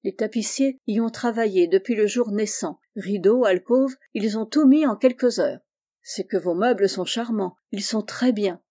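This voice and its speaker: A woman's voice: mid-range voice, normal speed, dark tone, close to an everyday voice. A woman reading the part of a talkative, bustling middle-aged mother-in-law. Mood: chatty.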